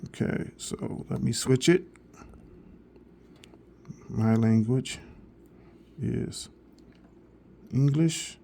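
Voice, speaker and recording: A man talks viewers through a new phone's translation feature in a loose, rambling vlog. He circles back and restarts his sentences, then earnestly tells people to go get one. His voice sits at an ordinary middle pitch. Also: drawn-out words, creaky, pauses often, warm tone, slight background noise. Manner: rambling and repetitive, with frequent restarts; earnest, directly urging viewers. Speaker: vlogger reviewing a phone. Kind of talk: casual product demo.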